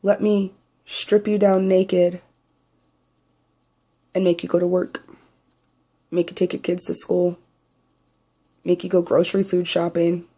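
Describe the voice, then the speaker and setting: A young trans man with a naturally high voice he tries to pitch lower, speaking candidly and bluntly in a personal video diary, swearing freely. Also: mellow. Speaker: vlogger.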